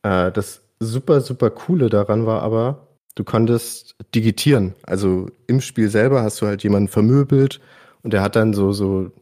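A man's voice: fairly low pitch, normal speed, dark tone. A man chatting casually and informally about video games as a podcast guest, using youthful slang. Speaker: podcast guest presenting his favourite games.

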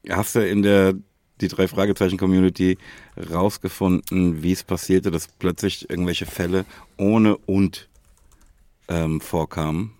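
A man's voice: sits low, steady tone, a little slow, mellow, no room sound. A man co-hosting a casual podcast, talking in slang and often tagging phrases with little questions. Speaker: podcast co-host.

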